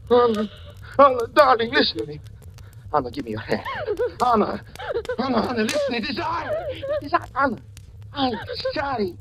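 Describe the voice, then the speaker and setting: An actor in a 1940s radio horror drama playing a desperate husband who narrates in hushed whispers and cries out in frantic pleading. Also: male voice, very high-pitched, exaggerated voice, rough recording. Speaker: first-person narrator.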